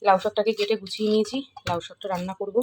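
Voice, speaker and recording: Woman with a cold chatting fast thru her chores at home, bit of noise behind. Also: medium pitch, little pitch movement, a little mellow. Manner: chatty, talks through chores, mixes in English greetings. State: has a cold, heavy sore throat. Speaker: vlogger, homemaker. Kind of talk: casual daily-life vlog narration. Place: home, kitchen and rooms, indoors.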